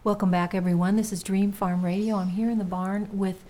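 A woman's voice: mid-range voice, level tone, brisk, mellow. A woman from California hosting a radio show, chatting with guests in a loose, filler-heavy way. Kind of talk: casual interview and promo.

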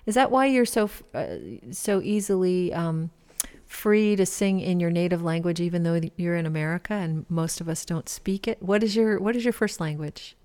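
A woman's voice: fairly low pitch, normal speed, hardly any pauses, darkish tone, smooth. A woman hosting a radio show and interviewing a musician guest in a barn, talking in a chatty way with frequent ums and restarts.

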